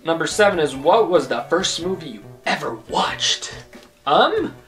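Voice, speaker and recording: A man's voice: a little high, sing-song, unhurried, fairly bright tone, faint music behind. A man in his twenties, the host of his own vlog, answering questions about himself in a joking, rambling way. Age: 20s. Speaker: YouTube host. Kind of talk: casual vlog Q&A.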